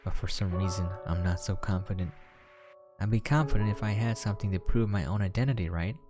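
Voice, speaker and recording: Male game preview host, low register, reads story text aloud with casual asides, music underneath. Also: a little fast. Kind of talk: reading a visual novel aloud with casual asides.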